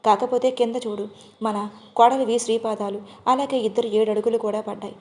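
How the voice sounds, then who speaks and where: A woman's voice: a little high, steady tone, fairly quick, dark tone, close to an everyday voice. A woman reading the lines of a stern but loving older man, the bride's father-in-law, in a firm, commanding way. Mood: firm, reassuring.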